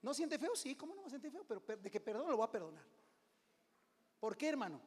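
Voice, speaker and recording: A middle-aged man preaching as a pastor, conversational, often calling "hermano", swinging between loud and hushed. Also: extremely high pitch, very animated, quick pace, breathy edge. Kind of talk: sermon. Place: church sanctuary. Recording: long hall reverb.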